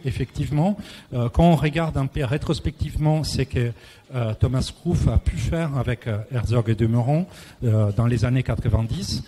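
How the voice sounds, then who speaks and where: A man from Italy speaks at a round table with a clear Italian accent, as a native Italian speaker. His voice is soft-edged and warm, and he feels his way hesitantly from phrase to phrase. The hall rings around him with long reverb. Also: mid-range voice. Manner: hesitant, searching for words. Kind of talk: semi-prepared talk on architecture and photography. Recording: echoey hall, clear background noise.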